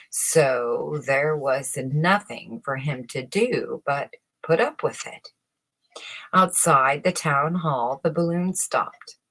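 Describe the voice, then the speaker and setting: Female narrator for children's bedtime stories: husky, unhurried, expressive read-aloud delivery. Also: lowish voice, poor audio. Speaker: storyteller reading a children's book aloud. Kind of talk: scripted bedtime story narration.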